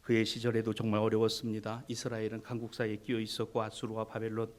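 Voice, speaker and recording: A man preaching a sermon as pastor, swinging between hushed asides and loud exhortation as he acts out prayers. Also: lowish voice, completely flat delivery, fast. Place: church sanctuary.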